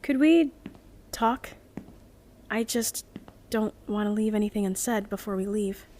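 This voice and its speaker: An actress plays an earnest, hesitant rebel woman in an audio drama. Her tone is mellow and dark, at an ordinary pitch for a woman. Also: measured pace, close to an everyday voice.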